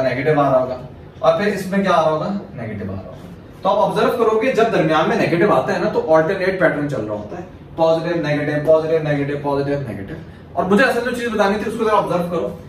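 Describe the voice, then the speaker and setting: Guy from pakistan teaching a maths class, asks stuff then answers it himself, booming echo, faint noise. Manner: steady step-by-step explaining. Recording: very echoey room, mic far off, faint hiss.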